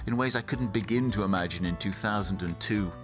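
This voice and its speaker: A man with an English accent, narrating a hiking podcast in a measured, conversational way. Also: on the low side, music in the background. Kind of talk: documentary narration and travel diary.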